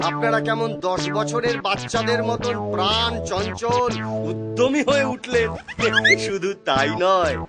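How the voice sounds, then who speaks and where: A man voicing a sly, witty village jester in a cartoon, with a theatrical, explaining manner. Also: high voice. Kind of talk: cartoon voice acting. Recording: music under the voice.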